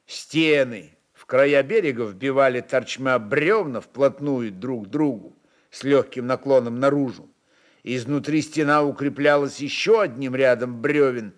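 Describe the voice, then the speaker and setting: A man narrating historical fiction in a measured, expressive, deliberate way. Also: mid-range voice. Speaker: narrator reading a literary work. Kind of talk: dramatic literary narration of a historical novel.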